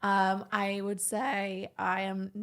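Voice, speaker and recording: Here a woman talks with a British accent. Her voice has a medium pitch. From UK. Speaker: digital marketing entrepreneur. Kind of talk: podcast interview. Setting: makeup studio. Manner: fast.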